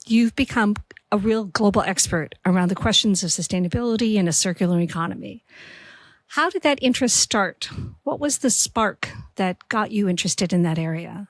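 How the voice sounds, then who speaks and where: A woman's voice: mid-range voice, no echo. A woman hosting a podcast interview, chatty and enthusiastic. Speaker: podcast host.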